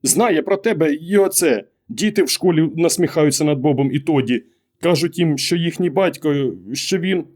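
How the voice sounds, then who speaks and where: A man's voice: a little high, big pitch swings, a little fast, a little mellow, voice pushed up. A man reading an audiobook, raising his voice to play an anxious, exasperated wife who keeps pressing her husband with questions. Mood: pleading. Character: anxious middle-aged wife, exasperated and pleading. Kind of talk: audiobook character voice.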